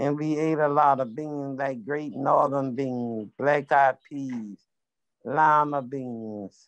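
Her pitch very deep and low, a woman talks at a very slow pace. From Perrine, Florida. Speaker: retired school bus driver. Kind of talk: interview answer.

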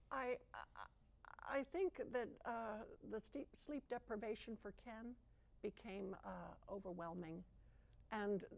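Her pitch varies in an ordinary way. This woman's voice carries vocal fry. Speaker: guest. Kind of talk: interview answer. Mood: earnest, emotional recollection. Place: studio.

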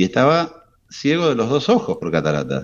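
Speaking with a Rioplatense accent, a man has vocal fry. His pitch swings very widely at a moderate pace. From Argentina, Quilmes (Buenos Aires). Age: 50s. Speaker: eye surgeon. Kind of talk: radio interview.

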